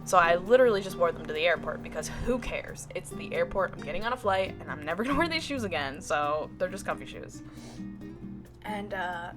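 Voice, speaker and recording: A woman's voice: lowish voice, brisk. A woman vlogger telling a storytime about her day, with lots of "like" and small restarts, acting out what other people said. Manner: animated retelling, heavy use of "like", mimics others. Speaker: artist vlogger. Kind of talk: storytime vlog. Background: background music.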